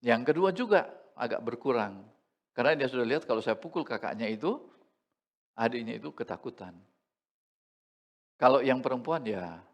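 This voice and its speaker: Male pastor, gravelly voice, lively pitch, conversational sermon with humor. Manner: conversational preaching with humor and asides to the congregation. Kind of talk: Sunday sermon. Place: church service.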